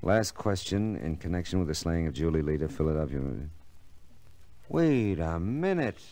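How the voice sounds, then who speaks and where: An actor playing a wry, curious hard-boiled private eye in an old radio detective drama, with clipped, slangy delivery. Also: male voice, low voice, very animated, normal speed, warm tone. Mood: intent.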